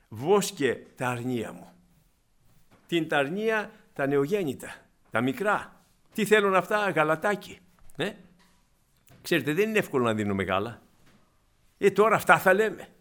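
A man preaching a sermon to his congregation, who asks them rhetorical questions and swings between soft asides and loud, emphatic cries. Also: on the high side.

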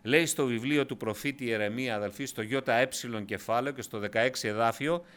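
A man preaching a sermon with fervent delivery, swinging from loud emphasis to hushed asides and often addressing the congregation as brothers. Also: medium pitch. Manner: keeps addressing listeners as brothers.

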